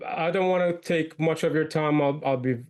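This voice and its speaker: A man with a slightly high, somewhat mellow voice speaks at a normal pace. Born in Iraq, he moved to the United States as a child and appears as an interview guest, an entrepreneur and podcaster who talks in a conversational, explanatory way.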